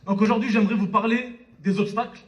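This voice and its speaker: High-pitched young man speaking on stage. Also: steady tone, fast talker, muffled recording. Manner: direct audience address with repeated check-in tags. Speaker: motivational speaker at a network marketing conference. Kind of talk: motivational stage speech with personal anecdotes. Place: on stage in a conference hall. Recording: live stage talk, distant from mic.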